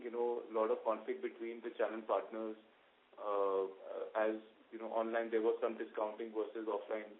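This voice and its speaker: Even-toned Indian-accented man on a phone line. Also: medium pitch, slight background noise. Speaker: company executive on an earnings call. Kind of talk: answering investor questions. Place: conference call. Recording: narrow, tinny phone-line audio.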